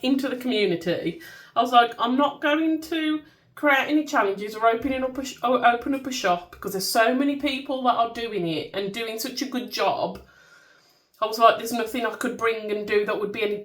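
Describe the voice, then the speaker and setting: A woman with a Black Country accent, bunged up and nasal from a cold, chatting casually and informally as she walks through products she has made. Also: sits high. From Black Country, England. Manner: informal, self-deprecating, given to singing bits. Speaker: small-business content creator showing her products.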